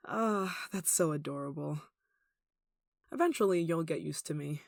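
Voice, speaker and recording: Woman acting a creaky-voiced, lovesick female kidnapper. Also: deep voice, a little mellow, dry recording, studio quality, heavily acted. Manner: cooing, coaxing, with sighs and giggles. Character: tall, possessive lovesick female kidnapper, sweetly menacing. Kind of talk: intimate ASMR roleplay acting.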